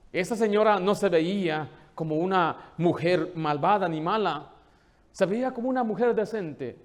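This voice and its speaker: Male preacher, high register, quotes scripture and poses questions to the congregation. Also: darkish tone. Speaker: pastor. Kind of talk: sermon.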